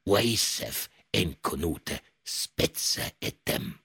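A man voicing an eerie ancient mummy in a radio play style, solemnly intoning a curse, partly in a breathy half-whisper. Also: low-pitched, animated, pushed and bright, dry recording, clean studio sound, voice pushed down, full character voice. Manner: slow, solemn incantation.

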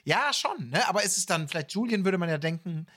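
Male co-host, lightly high pitch, thoughtful and tentative, winding casual phrasing. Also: animated, quick pace, a bit bright, breathy edge. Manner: tentative, musing, winding sentences. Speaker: podcast co-host. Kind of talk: casual interview chat.

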